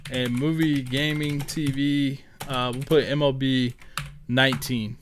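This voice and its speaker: A gaming content creator talks through a screen-recorded tutorial on a headset, his mid-range voice showing little pitch movement at a measured pace. The background is noisy, and his manner is informal and rambling as he thinks aloud while typing.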